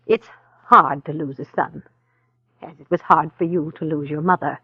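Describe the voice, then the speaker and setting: An actress playing a gentle, wealthy older mother who talks in a soft, coaxing way, in a 1940s radio drama. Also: sits low, steady tone, moderate pace, husky, dry recording. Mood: tender. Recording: tinny narrow-band 1940s radio recording.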